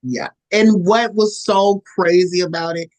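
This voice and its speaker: A woman co-hosting a podcast, telling a story casually and acting out quoted lines in a high squeaky voice. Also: fairly even intonation, unhurried, a little mellow. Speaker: podcast co-host.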